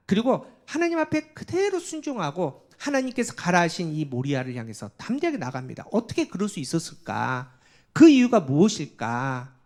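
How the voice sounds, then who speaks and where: A man's voice: high voice, darkish tone. A male pastor giving a sermon, often addressing the congregation and acting out prayers and divine speech with rising intensity.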